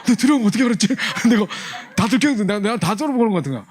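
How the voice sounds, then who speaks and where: A man's voice: high-pitched, animated, very fast. A man telling a humorous testimony to a church class, acting out his younger self. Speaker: church youth leader teaching a training class.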